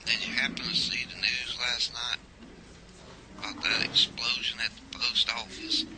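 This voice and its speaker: A man's voice: medium pitch, monotone, natural voice. A man playing an injured driver calling from a hospital bed, weak, coughing, and stammering. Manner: halting, stammering. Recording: noisy amateur recording.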